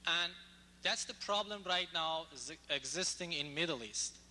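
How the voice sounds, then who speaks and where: A man from Iran presses a lecturer from the audience floor, halting and insistent in his phrasing. His voice is high and very sharp, and it rings with long reverb in a large hall. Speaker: audience member asking a question. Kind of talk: heated question from the floor. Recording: echoey hall, from off-mic.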